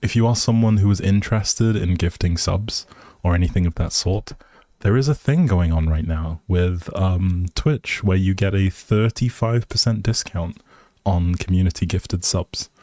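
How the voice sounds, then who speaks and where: A man's voice: sits low, normal speed, darkish tone, dry recording, clean studio sound. A man hosting a casual livestream, chatting to viewers in a hesitant, rambling, appreciative way. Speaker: live streamer, host.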